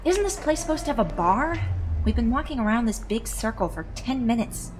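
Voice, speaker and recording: Wry, no-nonsense commander. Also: female voice, fairly high pitch, sing-song, fairly quick, background noise. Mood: sardonic, irritated. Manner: sardonic, no-nonsense. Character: brisk, wry woman director in charge. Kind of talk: audio drama acting.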